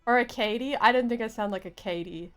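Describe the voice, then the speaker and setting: A woman's voice: on the high side, brisk, a bit bright, smooth, faint music behind. A young woman livestreaming a game, chatting casually with viewers in a playful, silly, exaggerated way. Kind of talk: casual chat with stream viewers.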